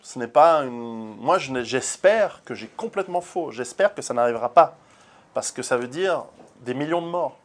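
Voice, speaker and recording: A man's voice: mid-range voice, animated, moderate pace. A man, an author, answering interview questions in an earnest, forthright way, with many fillers and repeated words.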